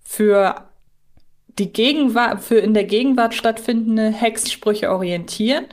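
A woman's voice: fairly high pitch, a little slow. A woman co-hosting a fan podcast, explaining details analytically in a conversational way. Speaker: podcast co-host.

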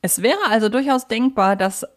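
A woman's voice: on the high side, normal speed. Woman chatting casually as podcast co-host. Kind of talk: casual fan discussion.

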